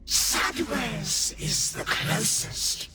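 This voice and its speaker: A woman voicing an ancient, cryptic, imperious spirit in a video game, with breathy, oracular delivery. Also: sits high, very animated, noisy background, heavily acted. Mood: ominous, commanding. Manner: oracular, drawn-out phrasing. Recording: long reverb, music behind. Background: game music.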